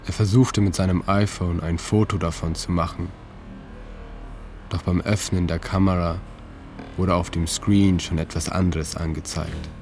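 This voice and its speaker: A man reading his own literary narration in a calm, measured way, with slow deliberate pauses. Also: deep voice. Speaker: narrator and author. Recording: narration over music.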